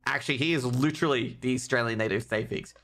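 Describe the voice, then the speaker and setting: Speaking fast in a mid-range, somewhat bright voice, this man jokes his way through live esports commentary. He chats casually with viewers as the match goes on. Clicks and background noise come through clearly.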